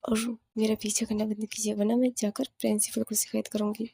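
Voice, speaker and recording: A woman's voice: mid-range voice, level tone, brisk, gravelly, husky, dry recording. A woman voicing a firm young female college student who sharply tells off an unwanted admirer. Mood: scolding. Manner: sharp, scolding.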